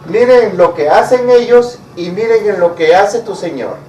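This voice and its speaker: Over soft background music, a man delivers a sermon in a high voice with a darkish tone and normal speed. He asks the congregation rhetorical questions and acts out brief quotes, recorded from afar in an echoey room.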